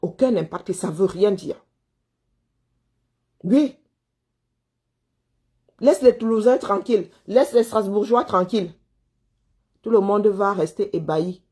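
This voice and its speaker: This Cameroonian commentator speaks at a measured pace with long pauses, her medium-pitched voice mellow and husky. Answering viewers, she angrily berates a listener in a monologue full of repetition and rhetorical questions.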